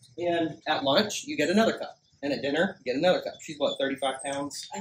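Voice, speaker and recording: A man with an American accent talks at a moderate pace, with light background noise and audible room echo. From Texas, Dallas Fort Worth area; Texas. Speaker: dog trainer. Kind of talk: live seminar class; informal talk to a small audience. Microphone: camera far.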